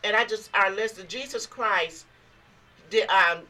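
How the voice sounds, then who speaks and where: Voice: mid-range voice, normal speed, pushed and bright, poor audio. A radio host in Christian radio talk, speaking emphatically and repeating key phrases to listeners.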